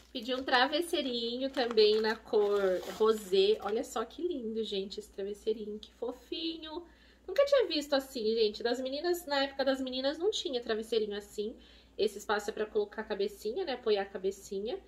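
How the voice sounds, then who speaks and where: A woman with a Brazilian Portuguese accent chatting casually and effusively as she shows off purchases in a haul video. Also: on the high side. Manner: effusive and chatty, gushing over items. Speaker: vlogger, expecting mother. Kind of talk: casual shopping haul chat. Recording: voice a bit far from the mic.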